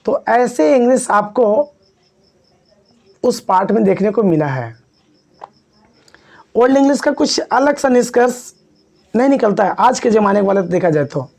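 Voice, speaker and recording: Coaxing teacher, gravelly and mellow. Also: male voice, high-pitched, expressive, a little slow, pauses often. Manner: coaxing, repetitive, addresses students as "babu". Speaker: English teacher. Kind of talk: exam-prep video lecture.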